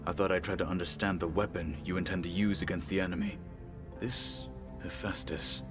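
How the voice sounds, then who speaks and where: An actor playing a proud, battle-hardened tribal warrior in a video game, gravelly, with formal and solemn speech. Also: male voice, sits low, natural voice. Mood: measured, earnest. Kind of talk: dramatic video game acting.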